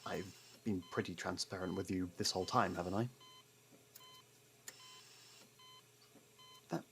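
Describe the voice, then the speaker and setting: A man acts out a guarded male convict in an intimate audio roleplay, his voice low and heavy with fry. He is sardonic and defensive, stumbling over denials that he cares. Clear noise sits behind the voice. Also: steady tone, quick pace, fairly bright tone. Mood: flustered denial. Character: gruff, guarded convict partner secretly fond of a detective.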